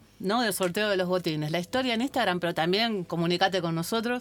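A woman talks in an unremarkable speaking voice at medium pitch, with ordinary pitch variation. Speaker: radio host. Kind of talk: casual chat. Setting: studio.

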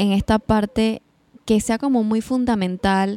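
A woman speaks very slowly in a dark, mellow tone, her pitch fairly high and her intonation fairly even. The sound is dry and close, with no echo. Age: 20s. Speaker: podcast host. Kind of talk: interview.

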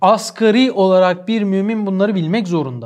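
A man's high voice with lively intonation, at a moderate pace. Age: 30s. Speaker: Islamic preacher. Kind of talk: religious talk. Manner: animated.

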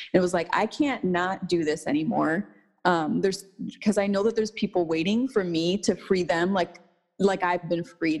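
Woman with a plain, everyday voice, medium pitch, ordinary pitch variation and a moderate pace, in an American accent. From Minnesota, St. Paul. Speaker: life coach. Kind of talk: casual interview.

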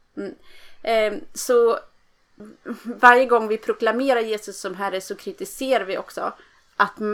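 At a fairly slow pace, a woman speaks in a fairly high pitch with a bright, sharp tone and fairly even intonation. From Sweden, Östergötland. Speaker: theologian and nurse. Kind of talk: interview. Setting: outdoors, small garden room at a cottage.

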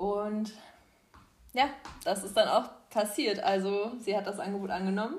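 At a moderate pace, a woman with a medium pitch speaks somewhat breathily in fairly even intonation, with long, frequent pauses and audible room echo. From East Berlin. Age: 20s. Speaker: podcast co-host, master's student. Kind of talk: casual chat.

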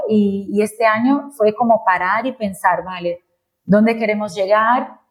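A woman's voice comes across somewhat breathy. Her intonation is fairly even. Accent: Portuguese. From Brazil. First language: Portuguese (speaking Spanish). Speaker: social entrepreneur. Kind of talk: interview. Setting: video call.

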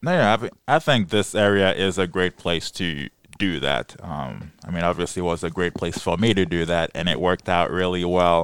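At a moderate pace and with hardly any pauses, a man talks in a very deep, low pitch with ordinary pitch variation. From Haiti, then East Tennessee from age twelve. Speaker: business founder and CEO. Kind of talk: casual interview. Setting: studio, wearing a mask.

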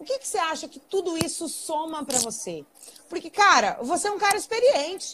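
A woman's extremely high voice at a fairly quick pace, with very wide pitch swings over noticeable background noise. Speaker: voice-over coach and podcast host. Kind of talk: interview.

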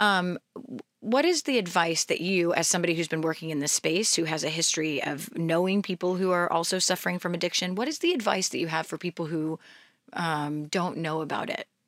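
At a fairly quick pace, a woman talks in a normal speaking voice with a fairly low pitch and ordinary pitch variation, the sound dry and close with no echo. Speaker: podcast host. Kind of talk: casual interview chat.

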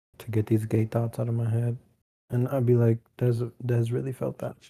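Somewhat breathy, the voice has a dark, mellow tone. Its pace is fairly quick. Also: man. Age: 20s. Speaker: podcast host. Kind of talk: casual chat.

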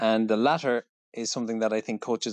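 In an Irish accent, the speaker talks at a very fast pace with a dry, close sound, no echo, and a quiet background. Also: man. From Ireland. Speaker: health and fitness coach. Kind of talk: casual chat.

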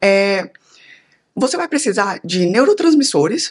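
A woman speaks with a normal speaking voice and lively intonation. The sound is dry and close, with no echo. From Brazil, Rondônia. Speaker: physician. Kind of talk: interview.

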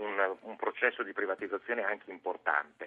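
The speaker is a man. He talks with fairly even intonation. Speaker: economics professor. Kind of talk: radio interview. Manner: halting.

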